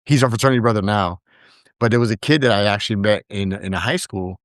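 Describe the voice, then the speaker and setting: A man's voice: lowish voice, fast talker, dry recording, studio quality. A man from Brooklyn who grew up partly in Puerto Rico and spoke Spanish first, telling stories as a podcast guest with lots of fillers and restarts. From Brooklyn, New York, with years in Puerto Rico. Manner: rambling, frequent fillers and restarts. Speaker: podcast guest, digital media founder. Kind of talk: casual storytelling interview.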